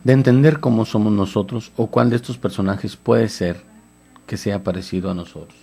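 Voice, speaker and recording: A man's voice: lowish voice, moderate pace, vocal fry, slightly rough, soft background music. A man preaching a radio sermon, retelling a scripture story with mounting fervor. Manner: retells scripture dramatically, rising to shouts of pleading.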